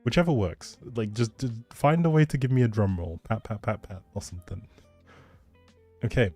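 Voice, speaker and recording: A man's voice: lowish voice, lively intonation, normal speed, darkish tone, soft background music. A man hosting a livestream in a chatty, rambling, informal way, as if talking casually with viewers. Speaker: livestream host. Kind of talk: casual livestream chat, giveaway announcing.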